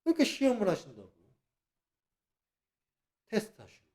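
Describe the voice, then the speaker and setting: Brief: male religious speaker, high lively voice, sarcastic rant. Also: normal speed. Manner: sarcastic, mocking, animated. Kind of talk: ranting religious monologue.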